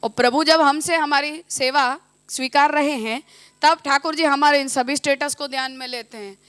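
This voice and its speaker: A woman teaching in a measured, explanatory devotional discourse, often mixing English terms into her talk. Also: high-pitched, fairly even intonation, fairly bright tone, no echo. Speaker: religious teacher.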